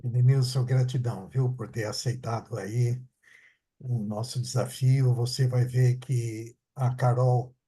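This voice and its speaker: A man's voice: medium pitch, fairly even intonation, a little slow, warm tone, breathy edge. A man hosting an online talk, welcoming and reassuring his guest over a video call. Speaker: host.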